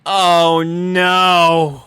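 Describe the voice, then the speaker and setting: A man puts on a high-pitched female cartoon pony with a hot temper. The delivery is bright and forceful, full of exclamations and exasperation. The sound is dry and close. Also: level tone, extremely slow, clear, resonant tone, no room sound, heavily acted. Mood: alarmed realization. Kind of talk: animated fan fiction character reading.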